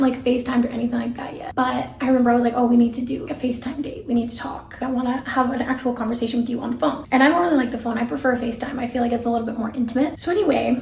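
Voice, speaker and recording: A raspy-voiced woman in her twenties from Canada, chatting casually through a dating storytime with lots of "like". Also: on the high side, reverberant. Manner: chatty and animated, heavy use of "like". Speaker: vlogger.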